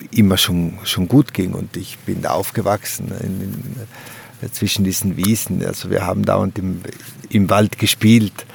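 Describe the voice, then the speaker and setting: A man from a mountain valley in South Tyrol, speaking outdoors in a slow, reflective way and often pausing to search for words. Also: sits low, gravelly, breathy edge. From Gröden valley, South Tyrol, Italy. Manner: slow, thoughtful, searching for words with frequent hesitations. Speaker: interviewee. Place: outdoors on a mountain slope by a wooden hut.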